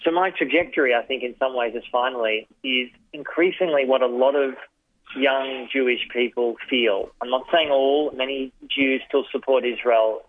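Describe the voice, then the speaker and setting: A man in his fifties answers interview questions in a thoughtful way, speaking in short phrases with pauses. His voice sits at a middle pitch and comes through a tinny phone line. The sound is dry, with no room echo. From Australia. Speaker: guest, journalist and author.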